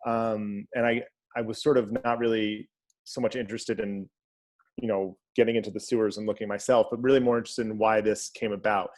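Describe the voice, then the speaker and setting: Relaxed, wry man, fairly low voice. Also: fairly quick. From New York. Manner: relaxed, many fillers and restarts, wry. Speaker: author being interviewed. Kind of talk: conversational interview.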